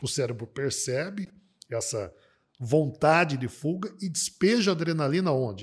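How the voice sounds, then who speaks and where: A man's fairly high, somewhat breathy voice with lively intonation at a fairly slow pace, in a very clean recording with a silent background. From Bauru, São Paulo state, Brazil. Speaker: public speaking trainer. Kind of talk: interview.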